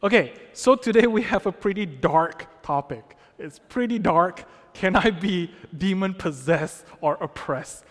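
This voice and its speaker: A man's voice: sits high, measured pace, hardly any pauses. A young man from Malaysia preaching in a church in a casual, conversational way, checking in with the congregation often. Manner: conversational, with many fillers and check-ins. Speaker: pastor. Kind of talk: sermon. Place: church sanctuary. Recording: long hall reverb.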